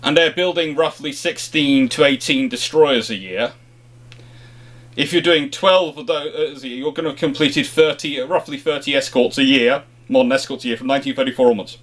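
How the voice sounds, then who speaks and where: A man's voice: medium pitch, moderate pace, fairly bright tone. A man hosting an informal question-and-answer chat, explaining things off the cuff and often rephrasing mid-thought. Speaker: host of a history question-and-answer show.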